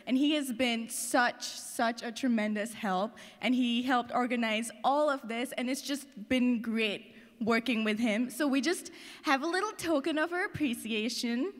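A woman's voice: fairly high pitch, unhurried. A young woman from India, a student leader giving informal remarks on a stage. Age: young adult. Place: large auditorium stage. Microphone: handheld microphone. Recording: echoey auditorium.

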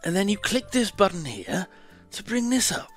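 A man's voice: high voice, big pitch swings, moderate pace, fairly bright tone, faint music behind. A man streaming a game, putting on a theatrical, overly polite presenter voice as he walks through a tutorial. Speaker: streamer doing an impression. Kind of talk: mock-posh gameplay tutorial.

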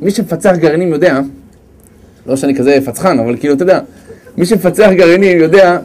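Lively high-voiced man telling a sermon story. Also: a little hiss or hum. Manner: lively, acts out characters with big swings of voice. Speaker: religious lecturer.

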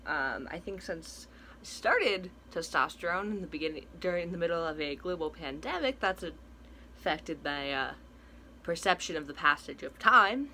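A man's voice: a little high, animated, moderate pace, bright, forceful tone, a little hiss or hum, low-quality recording. A young trans man talking through a casual home vlog update, rambling with lots of fillers, his voice cracking now and then. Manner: chatty and rambling, many fillers and restarts. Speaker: vlogger. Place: small room indoors at home.

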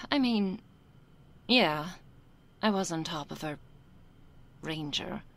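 A woman voicing a nervous, sheepish young succubus in a soft, hesitant ASMR role-play. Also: lowish voice. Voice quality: soft, husky, breathy. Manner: hesitant, flustered, succubus-like soft intimate delivery. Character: nervous young female succubus, reluctant, sheepish, affectionate daughter.

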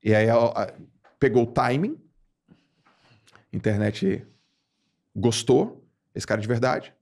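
A man from Brazil in his forties, a podcast guest telling stories in casual slangy chat, with big jumps in pitch for emphasis. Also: takes it slowly, vocal fry, a little mellow.

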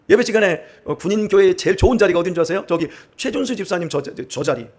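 A middle-aged man from central Korea, a pastor giving a sermon in a church, telling stories with humor and acting out the way other people talk. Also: high-pitched. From Chungcheong region, Korea. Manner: animated, acts out dialects and laughs while telling stories. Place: church sanctuary.

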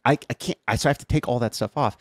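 A man's voice: medium pitch, racing, no room sound, clean studio sound. A man co-hosting a coaching podcast, talking candidly and with self-deprecating asides in casual discussion.

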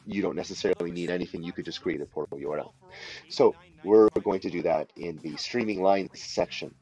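A man presenting an unscripted software walkthrough, explaining each step in a deliberate, instructional way. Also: low-pitched. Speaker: tutorial presenter. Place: voice-over for a screen recording.

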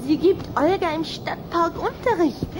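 A lovestruck little vampire girl in a children's radio play. The voice is tiny and very high, drawn out in a coy, easily hurt way. There is clear background noise. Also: expressive, measured pace. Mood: playful. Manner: giggly, coy, pouting.

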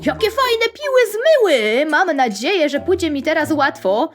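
A young woman with a very high, lively voice gives playful commentary on a game. She talks in a bubbly, sing-song way, rhyming as she goes and squealing at mishaps. Game music plays clearly underneath. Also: moderate pace. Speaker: gaming channel host. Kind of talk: playful Roblox let's-play commentary.

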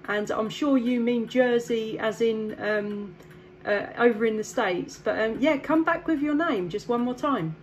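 English woman radio operator, friendly, higher pitched voice. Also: measured pace, a little hiss or hum. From south east England. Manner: friendly, upbeat, ends turns with "back to you". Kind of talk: casual radio chat.

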